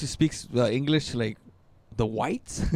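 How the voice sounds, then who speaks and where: A man speaks with a Spanish accent at a fairly quick pace. His pitch variation is ordinary. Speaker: stand-up comedian. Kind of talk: casual chat.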